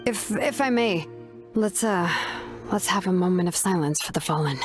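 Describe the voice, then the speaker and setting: A woman's voice: fairly low pitch, lively intonation, moderate pace, soft background music, close to an everyday voice. A woman playing a kind, supportive young tribal warrior in a video game, speaking in an encouraging, conversational way. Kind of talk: scripted video game voice acting.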